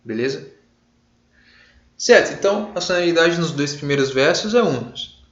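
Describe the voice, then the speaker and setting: A man with a Brazilian accent teaching an online literature class in a casual way, full of fillers and check-ins, with some jokey shouted examples. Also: fairly high pitch, expressive, moderate pace. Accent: Brazilian Portuguese. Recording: roomy, dull lo-fi sound.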